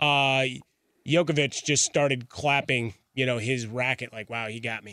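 A man with a medium-pitched voice and a bright, sharp tone talks at a moderate pace, his intonation fairly even but his loudness swinging widely, in a dry, close recording with no echo. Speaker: sports radio host. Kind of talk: casual chat. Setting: studio.

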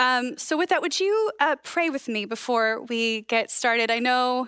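In an American accent, the speaker uses a bright, sharp tone at a fairly quick pace. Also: woman. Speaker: preacher. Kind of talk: sermon. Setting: recorded video for online church service.

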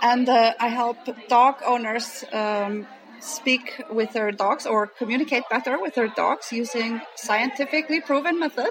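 Against crowd noise in the background, a woman with an Icelandic accent speaks at a moderate pace in a high voice with ordinary pitch variation. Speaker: dog behaviorist. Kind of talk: interview.

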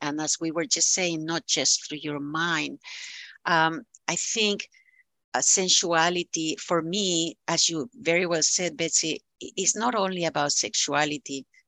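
In a very clean recording with a silent background, a woman with a fairly low pitch and a bright, sharp tone speaks at a fairly slow pace with ordinary pitch variation, the sound dry and close with no echo. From Spain, Barcelona. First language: Spanish/Catalan. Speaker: writer and former professor. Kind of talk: interview.

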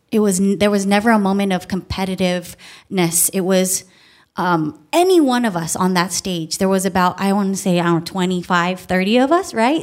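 A woman with an American accent speaks at a moderate pace in an ordinary speaking voice, her medium pitch and fairly even intonation captured in a very clean recording with a silent background. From US, Filipino American family. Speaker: actress and singer. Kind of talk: live panel discussion. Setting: stage with audience.

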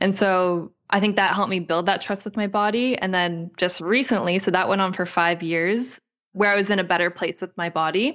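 This woman has an unremarkable speaking voice, pitched in the medium range and delivered with fairly even intonation. She talks at a fairly quick pace against a quiet background. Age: 20s. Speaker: holistic nutritionist and emotional eating coach. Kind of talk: casual interview chat.

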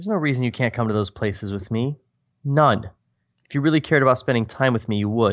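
A quiet background beneath an unforced reading voice

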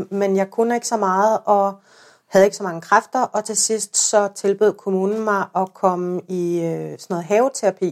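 In a plain, everyday voice, a woman speaks at medium pitch and a fairly slow pace with fairly even intonation, the sound dry and close with no echo on a very clean recording with a silent background. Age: 30s. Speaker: urban gardener and author. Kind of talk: casual chat. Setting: home kitchen.

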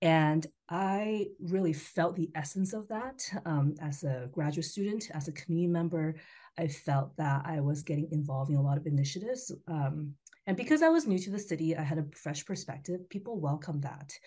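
A woman talks at a fairly quick pace in a fairly low pitch with ordinary pitch variation. Her tone is dark and mellow, and somewhat breathy. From China, then United States. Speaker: city councillor. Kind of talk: interview. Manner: halting, many fillers.

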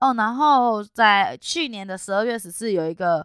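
Speaking fairly slowly with lively intonation, a woman with a Taiwanese accent is heard in a very clean recording with a silent background and a dry, close sound with no echo. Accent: Taiwanese Mandarin. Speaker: podcast host. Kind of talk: casual monologue.

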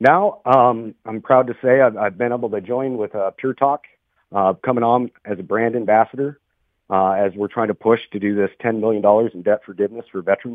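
A man speaks at a fairly quick pace in a normal speaking voice. His medium pitch follows a fairly even intonation. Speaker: war veteran. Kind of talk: interview.

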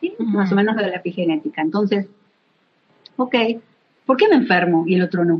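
A woman speaks with ordinary pitch variation. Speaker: acupuncturist and holistic coach. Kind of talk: interview conversation.

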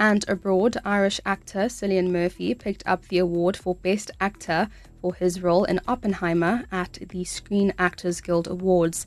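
With music in the background, a woman with a South African accent speaks with fairly even intonation and hardly any pauses. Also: medium pitch for a woman, moderate pace. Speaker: radio newsreader. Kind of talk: radio news bulletin, read from script. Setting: radio studio broadcast. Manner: crisp, steady, formal newsreader delivery; brisk, even-paced, authoritative.

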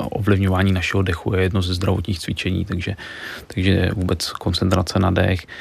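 A man with a very deep, low pitch speaks with monotone, flat intonation against noticeable background noise. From western Bohemia, Czechia. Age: 30s. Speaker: entrepreneur and organic farmer. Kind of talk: radio interview.

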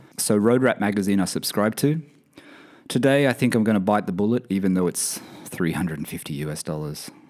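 Speaking fairly quickly with lively intonation, a man with an Australian accent uses a fairly low pitch. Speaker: podcast host. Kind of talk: casual chat. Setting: video call.

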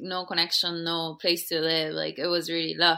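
In a Japanese accent, a woman with a fairly low voice talks at a moderate pace. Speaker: entrepreneur and online educator. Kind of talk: interview.

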